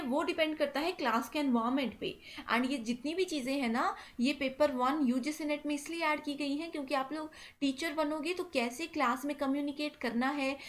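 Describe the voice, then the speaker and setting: High-voiced woman teaching an exam class. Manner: repeats "ठीक है" constantly, mixes English terms into Hindi. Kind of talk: online exam-prep lecture.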